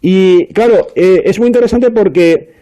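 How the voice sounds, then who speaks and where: Panelist, man, high voice, mellow tone, chatty and explanatory. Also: a little slow. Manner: explanatory, many fillers and restarts. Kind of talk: casual panel discussion.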